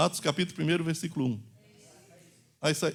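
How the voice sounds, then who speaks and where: A man's voice with ordinary pitch variation. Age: 60s. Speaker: pastor. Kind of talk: Bible class lecture. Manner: emphatic.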